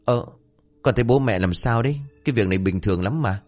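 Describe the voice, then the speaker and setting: A man's voice: medium pitch, a little mellow, faint music behind, pitched above the performer's own voice, natural voice. A man voicing a careless, cheerful young adult son who brushes off his parents' worries. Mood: dismissive. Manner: dismissive, breezy, quick talking.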